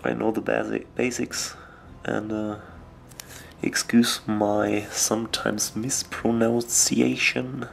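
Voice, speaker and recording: A young man with a German accent, a native German speaker, talking casually and hesitantly while he paints miniatures at his desk, often pausing to search for words. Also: fairly low pitch, flat delivery, creaky, a bit bright, slight background noise. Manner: slow, hesitant, searching for words with many ums.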